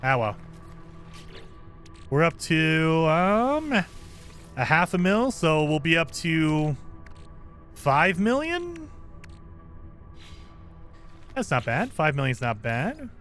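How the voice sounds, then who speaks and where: A man streaming a game live, chatting casually and reading viewer comments, with a voice he calls high-pitched for a man. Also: slow pace, pauses often, soft background music. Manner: chatty, lively, self-deprecating.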